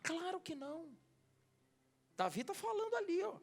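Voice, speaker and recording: A man's voice: very high voice, big pitch swings, moderate pace, gravelly. A Brazilian man preaching a sermon to his church, reading scripture and calling out questions to the congregation. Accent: Brazilian Portuguese. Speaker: pastor.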